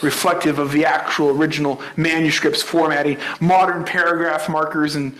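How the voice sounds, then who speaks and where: A man's voice: on the high side, little pitch movement, normal speed, a bit bright, echoey room, rough recording. A man preaching a sermon, explaining a Bible passage in a conversational teaching manner and checking in with the congregation. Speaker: pastor.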